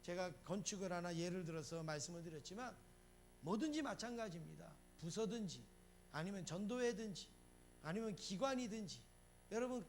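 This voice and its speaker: High-pitched male pastor preaching. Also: slight background noise. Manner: asks the congregation questions and answers them, repeats phrases for emphasis; acts out quoted lines in a raised voice. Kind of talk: sermon.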